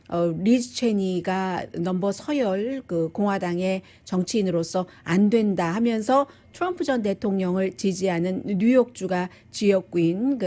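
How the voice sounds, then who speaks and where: A woman's voice: medium pitch, dark tone. A woman hosting live news commentary, explaining things in a conversational way with restatements and quoted asides.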